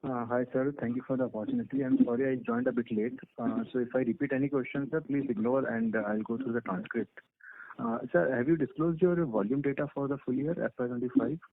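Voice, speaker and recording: A man's voice: mid-range voice, lively intonation, fast talker, gravelly. A man with an Indian accent politely questioning management as an analyst on an earnings call. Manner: polite, deferential. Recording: noisy, crackly phone line with clicks.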